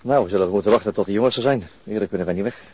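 An actor playing a world-weary police detective in a radio drama, husky and matter-of-fact. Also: male voice, on the low side, racing, mellow, slight background noise, natural voice. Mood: weary, wry. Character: brisk, world-weary male police detective at a crime scene. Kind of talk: naturalistic radio drama acting.

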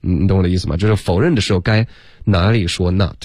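A deep-voiced man with a husky edge gives a radio English lesson, patiently explaining stress and pauses. He reads the example sentences slowly and clearly. The studio sound is dry and close. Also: darkish tone, no room sound. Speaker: English teacher.

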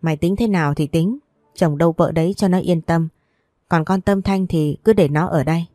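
A woman's voice: on the low side, moderate pace, mellow, no room sound, studio quality, faint music behind, lightly acted. Woman doing a fussing old grandmother. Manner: fussing, affectionate, scolding her son. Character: older countrywoman, warm grandmother.

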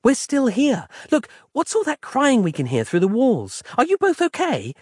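A man's voice: very high voice, wildly swooping pitch, moderate pace, a little mellow, breathy edge, dry recording, studio quality, voice pushed up, exaggerated voice. A man voicing a fussy, overly polite young woman who chatters pedantically, as an audiobook character. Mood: chatty. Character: prim, fussy young woman on a walkie-talkie.

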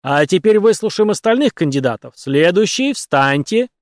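A man's voice: sits high, big pitch swings, moderate pace, no echo, clean studio sound, voice pushed up. A man reading an audiobook, voicing an authoritative, mocking male captain of a beggars' gang.

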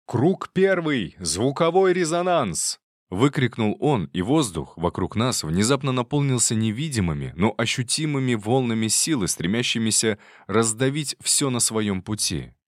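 Male narrator with a low, dry voice for first-person fantasy audiobook reading; steady, measured delivery. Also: no echo.

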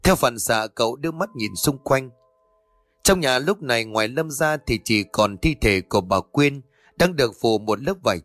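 A man calmly narrating a ghost story in a steady, measured way. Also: medium pitch, dry recording. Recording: dry voice over faint music.

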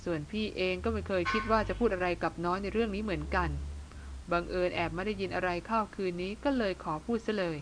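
A woman's voice: mid-range voice, fast, background noise, close to an everyday voice. A woman reading the part of a bearded older brother who speaks bluntly and teases his younger sister. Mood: teasing. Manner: blunt, teasing, plain-spoken. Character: teasing bearded older brother, blunt but tender man.

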